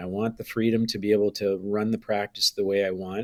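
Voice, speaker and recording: On a very clean recording with a silent background, a man with a fairly low pitch talks at a moderate pace. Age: 60s. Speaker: dentist. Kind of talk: podcast interview. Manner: halting.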